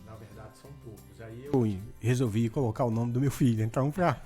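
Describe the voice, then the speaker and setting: A pastor from Rio Grande do Norte with a Northeastern Brazilian accent, calm and brief as a radio studio guest. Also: male voice, mid-range voice, brisk, faint music behind. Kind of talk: casual radio interview.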